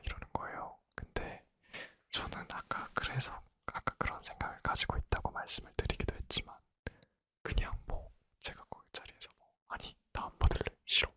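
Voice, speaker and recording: A man in his twenties whispering a personal story in a soft, intimate, conversational ASMR style. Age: 20s. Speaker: ASMR creator.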